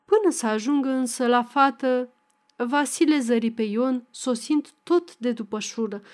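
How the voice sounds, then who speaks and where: A woman narrating a novel as an audiobook reader, in a measured, expressive reading. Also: a little high.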